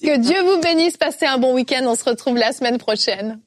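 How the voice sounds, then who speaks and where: High-voiced woman hosting a Christian talk show. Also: a little fast. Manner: warm, encouraging closing remarks, reads scripture. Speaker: TV show host. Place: TV studio set.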